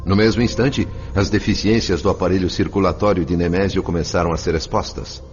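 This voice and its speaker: An actor playing a reflective, compassionate narrator in a radio drama audiobook, with a Brazilian accent. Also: male voice, low-pitched, steady tone, brisk, close to an everyday voice. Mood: solemn, reflective. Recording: slightly dull sound. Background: faint music.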